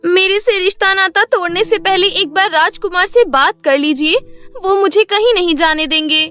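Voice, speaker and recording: A woman's voice: extremely high pitch, moderate pace, bright, forceful tone, no room sound. A woman voicing an earnest, meek young princess in a cartoon story, with a pleading manner. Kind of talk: Hindi cartoon story dubbing. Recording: music bed behind the voice.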